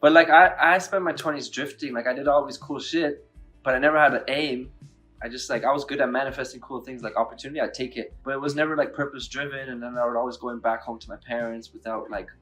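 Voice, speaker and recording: A chatty, enthusiastic man in his late thirties hosts a casual interview. His pitch sits in a middle range, and he fills his talk with "like". Faint music plays in the background. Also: fairly even intonation, quick pace, fairly bright tone. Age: 30s. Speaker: podcast host.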